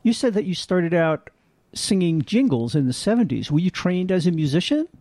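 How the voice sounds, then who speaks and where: A man's voice: high-pitched, big pitch swings, normal speed, warm tone, no echo. A man hosting an interview, asking curious questions and sharing his own stories. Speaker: interview host.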